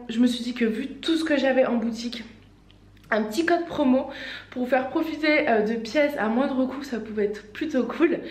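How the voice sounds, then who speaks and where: A chatty woman with a slight cold, talking through outfits in a relaxed, rambling way full of little fillers. Her voice sits a touch high and sounds a bit roomy, like it was recorded in an echoey room. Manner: chatty, many fillers and restarts, light laughs. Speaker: online clothing shop owner. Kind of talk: casual fashion try-on vlog.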